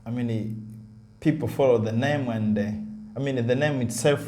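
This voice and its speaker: A man from Tanzania, a Catholic priest speaking, talks casually in an interview and often pauses to find his words. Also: medium pitch, background noise.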